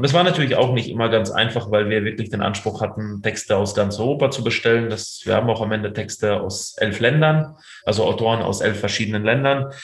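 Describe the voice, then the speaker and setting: With music-free but noticeable background noise aside, a man speaks at a medium pitch and a fairly quick pace, with hardly any pauses and ordinary pitch variation. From Soviet Union, raised in Germany from the 90s. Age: 30s. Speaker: freelance sports journalist. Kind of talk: interview.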